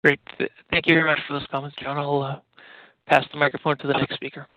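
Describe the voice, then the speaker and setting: A man's voice: a little high, little pitch movement, fast, no echo, highs cut off. A man, a financial analyst, politely asking winding questions on an earnings call.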